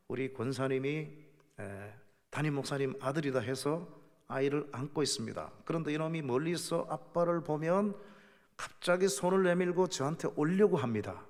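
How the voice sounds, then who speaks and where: A middle-aged man preaching a sermon, often asking the congregation questions. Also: on the high side. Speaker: guest preacher, professor. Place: church sanctuary. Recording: long church reverb.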